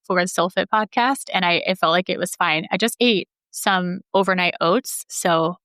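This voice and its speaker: Woman host, lowish slightly raspy voice, loose rambling delivery, dry close recording. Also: normal speed, a bit bright, no room sound. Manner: chatty, rambling, swears freely. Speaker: podcast host and personal trainer. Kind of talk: casual solo podcast talk.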